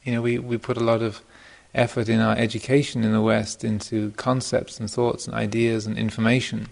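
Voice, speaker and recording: A man giving an informal dharma talk as a meditation teacher, speaking thoughtfully and hesitantly, often pausing mid-phrase, in a gravelly voice. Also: mid-range voice, little pitch movement. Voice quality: gravelly, creaky voice. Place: meditation retreat center.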